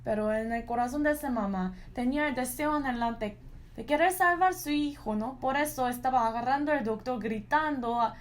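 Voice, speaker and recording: A woman's voice: sits high, normal speed. A woman interpreting a Sunday sermon, earnest and full of restarts, often tagging her lines with a questioning "right?". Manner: earnest, with frequent restarts and "¿no?" tags. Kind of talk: live Spanish interpretation of a sermon.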